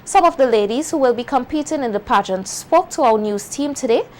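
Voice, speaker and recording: A woman reading a scripted news bulletin in a measured, formal way. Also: sits high, expressive, a little hiss or hum. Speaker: news anchor.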